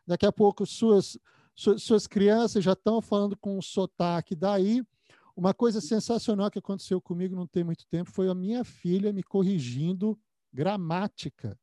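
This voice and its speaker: A man's voice: sits high, moderate pace, dark tone, no echo, clean studio sound. A man interviewing a guest in casual conversation, often repeating words while he thinks.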